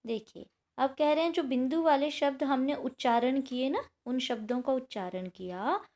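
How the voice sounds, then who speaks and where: A woman's voice: high voice, moderate pace, darkish tone. A woman teacher explaining a grammar lesson, patiently sounding out example words aloud.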